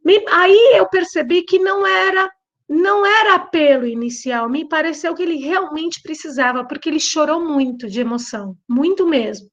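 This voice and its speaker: Woman, Brazilian Portuguese accent, middle-aged, high voice, lively storytelling, repeats for emphasis, dull lo-fi sound. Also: normal speed. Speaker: lecturer and behavioral trainer. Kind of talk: storytelling talk.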